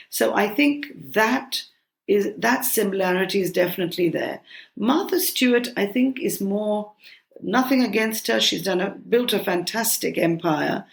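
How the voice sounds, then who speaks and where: A woman in her sixties with a gravelly, fry-edged voice, raised in Britain, talking over a remote call from home. She answers in a loose, hesitant way, full of ums and false starts, like a cookbook author chatting about her life. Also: mid-range voice. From United Kingdom. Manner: hesitant, many ums and restarts. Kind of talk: relaxed conversational interview.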